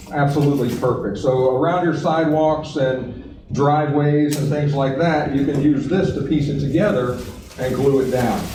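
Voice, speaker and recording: A man at a fairly high pitch with fairly even intonation and a moderate pace, plus audible room echo and noticeable background noise. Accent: Southern US. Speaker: miniature village craft demonstrator. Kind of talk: live craft tutorial. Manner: casual, conversational.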